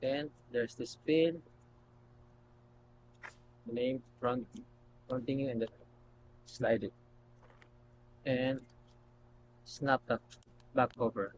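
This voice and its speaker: A man hosting a casual unboxing video, talking haltingly as he thinks aloud while handling things. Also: mid-range voice, a little mellow, a little hiss or hum, rough recording. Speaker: video host.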